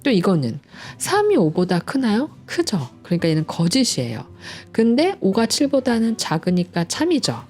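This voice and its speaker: A woman's mid-range, slightly mellow voice swoops wildly in pitch as she talks at normal speed with hardly any pauses. She's a coding instructor giving a screen-recorded lesson at home, playful and cheerful, using sounds like "짠짠짠" and explaining each step chattily and patiently.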